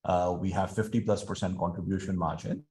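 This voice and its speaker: A man answering analyst questions on an earnings call as a company executive, explaining in a measured, hesitant way. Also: deep voice, steady tone, darkish tone.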